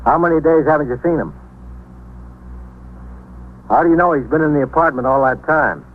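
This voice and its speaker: An actor playing a male desk sergeant who fields phone calls in a 1950s radio drama, asking quick, businesslike questions. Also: fairly high pitch, natural voice. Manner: brisk, questioning phone manner. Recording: tinny lo-fi 1950s radio broadcast.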